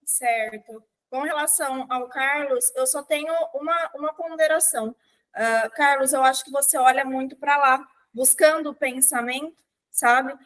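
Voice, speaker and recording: A woman with a Brazilian Portuguese accent speaks in a high voice as the examiner of a mock oral exam. She puts each question formally. She dictates the items in a measured, deliberate way. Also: fairly bright tone.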